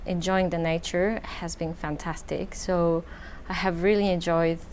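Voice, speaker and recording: A woman's voice: fairly low pitch, flat delivery, measured pace, a little mellow, slight background noise. Woman from Mexico, composed panelist. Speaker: panelist, law alum. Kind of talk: panel discussion.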